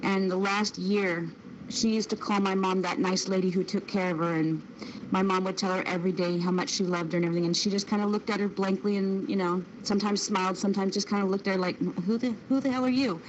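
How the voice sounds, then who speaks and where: Woman, North American accent, mid pitch, casual recollection, muffled audio, faint noise. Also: steady tone, fast talker.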